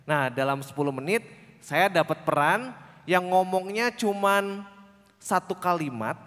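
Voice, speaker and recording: A man giving a lively public speaking workshop talk at a youth conference, teasing the crowd and acting out short quoted lines. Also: sits high, unhurried. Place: large conference hall. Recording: reverberant hall sound.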